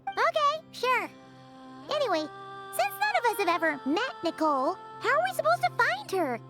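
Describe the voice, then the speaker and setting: A shrill, cheeky little companion creature. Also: female voice, huge pitch swings, loud music behind the voice, full character voice. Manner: cheeky, quick to scold and fret. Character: tiny floating female companion creature, chirpy, blunt. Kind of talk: video game voice acting.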